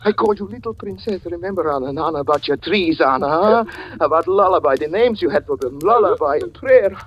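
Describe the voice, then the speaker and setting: A man's voice: on the high side, lively intonation, fast talker, highs cut off, slight background noise, natural voice. A man playing a haunted, frantic young husband. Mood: pleading. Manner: swings from hushed whispers to frantic pleading. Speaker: first-person narrator. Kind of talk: 1940s radio acting.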